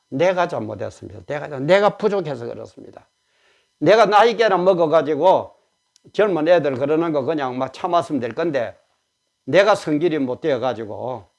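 A man's voice: mid-range voice, animated, normal speed, gravelly. A man playing a humble apologetic neighbor man. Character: remorseful middle-aged neighbor man.

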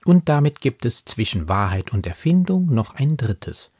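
A man who reads a poem slowly and expressively, then explains it in a brisk, lecturing way. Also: mid-range voice, breathy edge, dry recording, clean studio sound. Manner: slow, expressive recitation alternating with brisk explanation. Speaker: poetry explainer.

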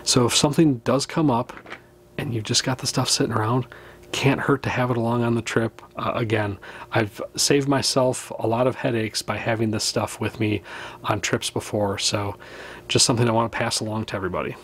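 A man in his thirties talks straight to the camera in a small indoor room, explaining what to pack for a fishing trip. His voice sits at an ordinary middle pitch, and his delivery is relaxed and practical, with small chuckles here and there. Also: brisk, husky. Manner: easygoing, practical, with small laughs. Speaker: fishing channel host. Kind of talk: casual to-camera gear talk. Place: indoors, small room with wood-panel wall.

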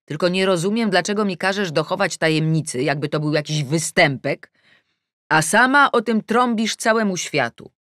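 A woman's voice: fairly low pitch, animated, moderate pace, fairly bright tone, dry recording, studio quality. A woman reading an audiobook, voicing an exasperated, teasing man, a fiancé who questions and reproaches. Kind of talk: acted audiobook dialogue.

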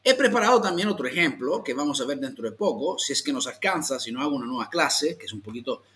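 Italian male language teacher, mid pitch, online beginner lesson, slow modeled phrases. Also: animated, fairly bright tone. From Italy. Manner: slow, exaggerated model pronunciations for repeating.

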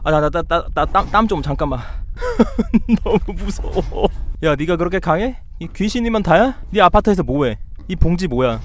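Male horror-game streamer, high lively voice, jumpy and yelpy, mocks the ghosts. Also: fairly quick, few pauses. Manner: jumpy, yelps when startled, talks to himself and chat; taunts the game's ghosts jokingly.

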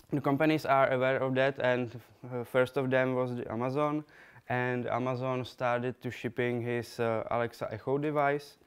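A young man with a Czech accent giving a slide talk in a lecture room, speaking haltingly with many fillers and restarts. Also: mid-range voice, clean tone. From Czech Republic.

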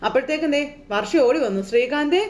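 A woman storyteller retelling a TV serial episode in a lively, conversational way. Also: on the high side, fast. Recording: roomy echo.

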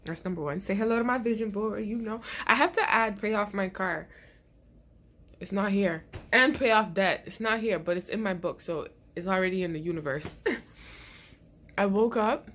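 A woman in her thirties chats casually to camera from a small bedroom, rambling, laughing often, and stuffed up with a head cold. Her medium-pitched voice is a bit bright at a moderate pace, with a little hiss or hum in the recording.

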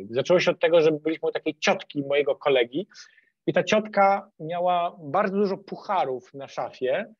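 A man's voice: a little high, dry recording. A man from eastern Poland telling an anecdote casually on a video call, animating the quoted lines. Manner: animated, acts out quoted speech. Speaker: guest speaker. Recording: dry, dull video-call audio.

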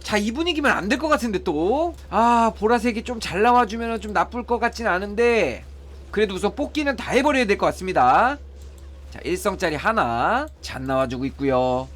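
A man's voice: high voice, lively intonation, a little fast, a bit bright. A man giving casual play-by-play of his mobile game pulls, counting results and pleading for good draws. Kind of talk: casual gameplay commentary.

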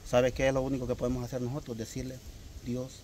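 A man's voice: mid-range voice, monotone, fast, a little mellow, slight background noise. A man talking about faith and retelling Bible stories, with a preachy, building emphasis. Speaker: religious cousin. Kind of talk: comedic sketch conversation.

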